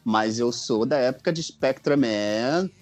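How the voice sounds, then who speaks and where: A Brazilian man in his forties chatting casually as a guest, telling personal stories in an animated, jokey, colloquial way. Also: medium pitch, measured pace, dry recording, soft background music. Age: 40s. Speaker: podcast guest.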